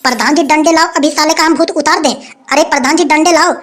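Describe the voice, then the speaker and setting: Casting: male actor as a shrill, bullying village chief who keeps repeating his threats. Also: fairly even intonation, fairly quick, fairly bright tone, slight background noise. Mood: threatening. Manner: blustering, threatening, repeats phrases. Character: boastful greedy male village headman, blustering. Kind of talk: comic sketch acting.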